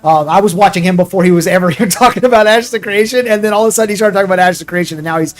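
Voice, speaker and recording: A man's voice: high-pitched, rapid-fire. A man hosting a gaming podcast, chatting in a rambling way with restarts and laughing at himself. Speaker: streamer and podcast host. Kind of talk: casual gaming podcast chat.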